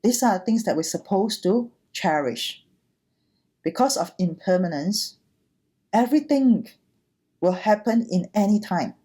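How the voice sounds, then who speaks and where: Slow, mellow-voiced woman giving a Dharma talk. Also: mid-range voice, lively intonation. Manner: deliberate, short phrases with pauses, earnest. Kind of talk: sermon, gentle teaching talk.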